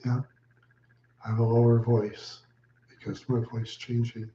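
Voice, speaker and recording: A man chatting slowly with viewers on a live stream, answering in short, halting phrases and often repeating himself. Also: mid-range voice, little pitch movement, dark tone, echoey room, highs cut off, slight background noise. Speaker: livestreamer.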